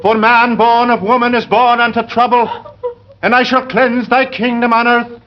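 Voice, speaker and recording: An actor playing a fanatical male lodger who speaks in a ranting, biblical cadence and drops to a hushed, insinuating tone, in 1940s radio acting on a dull old broadcast. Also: extremely high pitch, normal speed. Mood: fervent. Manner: hushed, insinuating when calm. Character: fanatical, scripture-quoting male killer lodger.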